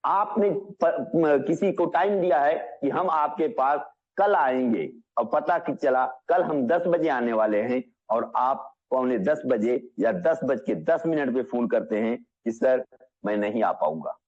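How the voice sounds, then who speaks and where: A man giving an energetic motivational business session, asking the audience questions and calling them friends. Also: medium pitch, unhurried, highs cut off.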